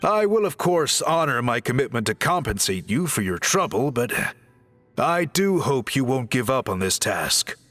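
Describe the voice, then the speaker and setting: A man playing an earnest, courteous tribal craftsman and reformer in a video game, speaking in polite, measured, articulate phrases. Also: medium pitch, very animated, fairly bright tone. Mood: regretful, apologetic. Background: background music.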